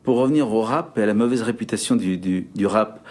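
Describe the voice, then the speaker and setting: A man who conducts a formal face-to-face interview, asking measured, polite questions. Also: on the low side, darkish tone.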